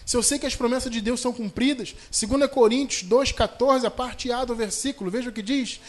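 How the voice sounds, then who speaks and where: A man's voice: very high-pitched, a little fast. A Brazilian man preaching a sermon on a livestream, chatty and conversational, stretching out scripture verses with emphasis. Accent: Brazilian Portuguese. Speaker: pastor. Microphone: livestream microphone.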